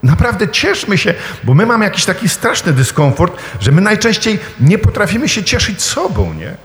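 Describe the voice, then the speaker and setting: A man preaches, his pitch rising and falling a great deal as he tells stories and throws questions to his listeners. His voice carries through a large hall with a long, echoing reverb. He mixes warm humor with emphatic appeals. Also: moderate pace. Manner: lively storytelling with rhetorical questions and humor. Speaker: priest preaching. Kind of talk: sermon.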